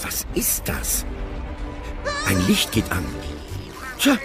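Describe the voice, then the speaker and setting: Slow, lively audio-play narrator man. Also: low-pitched, loud music behind the voice. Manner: chatty, wondering.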